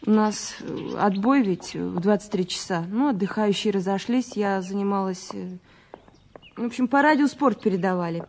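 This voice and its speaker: A woman's voice: medium pitch, normal speed, darkish tone, slight background noise, lightly acted. An actress playing a chatty, opinionated young woman witness in a naturalistic audio drama, talking colloquially and dismissively. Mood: rattled, recounting. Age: young adult. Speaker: actor in an audio play. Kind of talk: naturalistic radio drama dialogue.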